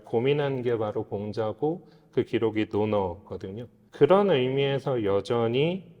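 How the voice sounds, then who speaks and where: A man's voice: medium pitch, expressive, unhurried, muffled recording. A man speaking as a guest expert, explaining philosophy in an earnest, reflective, lecture-like way. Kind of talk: explanatory interview talk on philosophy. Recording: reverberant hall-like room.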